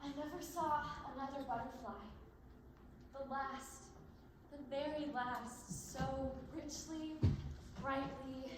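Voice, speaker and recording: A young woman plays a steadfast girl who survived the ghetto, in a stage drama. Her voice is high. It rings through a very echoey hall with clear background noise. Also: fairly even intonation, slow. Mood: haunted, solemn. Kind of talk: stage play acting, memoir narration.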